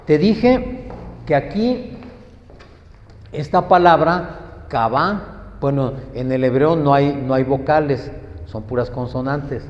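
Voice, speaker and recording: A man preaching a sermon, teaching slowly and emphatically and putting questions to his listeners. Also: mid-range voice, darkish tone. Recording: echoey hall, dull lo-fi sound.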